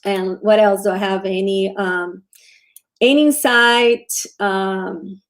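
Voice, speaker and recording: A woman's voice: medium pitch, fairly even intonation, slow. A woman from Brazil with a Brazilian accent, hosting a casual livestream about stocks, often restarting sentences and answering viewer questions. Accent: Brazilian Portuguese. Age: 40s. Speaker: show host, trader.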